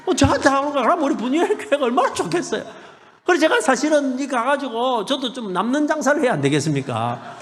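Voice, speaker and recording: A middle-aged male pastor with a Gyeongsang accent preaching a revival sermon, building to loud blessings and joking with the congregation. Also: very high-pitched, big pitch swings, quick pace. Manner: preaching with rising shouted blessings and humorous asides to the congregation. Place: church sanctuary. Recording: long hall reverb in a church.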